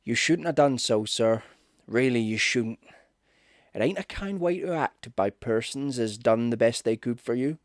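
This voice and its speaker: A man's voice: medium pitch, lively intonation, a little slow, no room sound, clean studio sound. A man voicing a superstitious, deferential country innkeeper in a ghost story, speaking in folksy dialect. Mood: reproachful. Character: rustic English innkeeper, superstitious, deferential and reproachful. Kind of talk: ghost story audiobook character.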